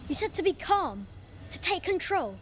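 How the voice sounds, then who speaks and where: High-pitched, excitable young apprentice boy. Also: normal speed, a little hiss or hum. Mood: excited, proud. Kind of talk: video game character acting.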